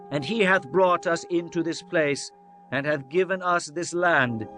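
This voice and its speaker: A man narrating scripture as a dramatized audiobook, in a solemn, measured, declamatory manner. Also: fairly high pitch, fairly bright tone. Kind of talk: dramatized scripture reading, archaic English. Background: background music.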